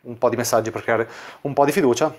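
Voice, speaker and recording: Guy walking thru dating app chats like a coach, laid back, lots of "so" fillers, mid pitch. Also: fast. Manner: casual, full of "quindi" fillers. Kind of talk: explaining chat screenshots to viewers.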